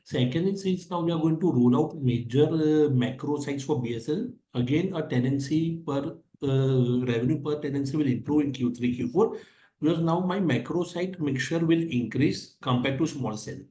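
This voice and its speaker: Echoey, mellow Indian-accented male executive. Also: a little high, moderate pace. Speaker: company executive. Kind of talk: answering analyst questions on an earnings call. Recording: echoey conference call audio.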